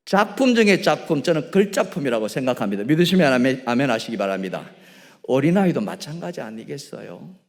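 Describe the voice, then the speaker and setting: A man preaches a sermon with a fairly high voice that swings widely, rising to emphatic peaks before falling to soft asides. He keeps asking his congregation questions. A long reverb hangs around his voice in the sanctuary. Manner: asks the congregation frequent questions. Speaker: pastor. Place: church sanctuary.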